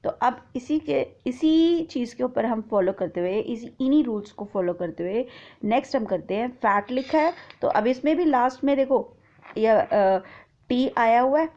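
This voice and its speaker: A woman teacher explaining a grammar worksheet to children, spelling words out letter by letter and checking in with a quick "okay". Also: on the high side, a little mellow. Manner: spells words out letter by letter, says "ठीक है" often. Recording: dull lo-fi recording.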